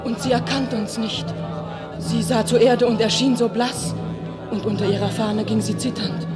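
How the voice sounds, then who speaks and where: An actress playing a gentle, consoling young peasant sister, speaking with earnest emotion in a classical verse radio play. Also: female voice, fairly high pitch, steady tone, moderate pace, over a noisy crowd, close to an everyday voice. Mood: troubled. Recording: radio play with music behind.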